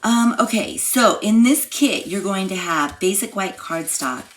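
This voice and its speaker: A woman with a slightly hoarse, froggy voice, chatting step by step through a live card-making class. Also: mid-range voice, animated, measured pace. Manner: chatty step-by-step explaining while crafting. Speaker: craft class instructor. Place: home craft room.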